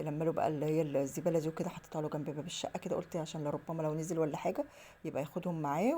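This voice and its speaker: In her relaxed home vlog, an Egyptian Arabic-accented woman spins rambling stories and performs the dialogue herself. Her voice is warm and fairly low in pitch.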